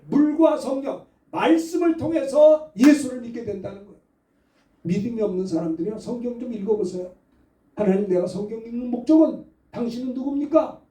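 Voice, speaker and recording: A middle-aged man preaching a Sunday sermon, talking in a fairly high but very dark and mellow voice. He tells his story in a casual, conversational way and then presses his point with fervor. The sound is roomy and distant, like a church hall heard from a few steps back. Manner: conversational storytelling, building to fervent exhortation. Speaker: pastor. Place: church sanctuary.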